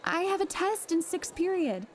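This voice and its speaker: A woman's voice: extremely high pitch, sing-song, a little hiss or hum. An actress playing a nervous, sheltered teenage schoolgirl in an audio drama, speaking hesitantly. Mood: uneasy, withdrawn. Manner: hesitant, soft-hearted, halting. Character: nervous, sheltered teenage schoolgirl, female, unsure but candid.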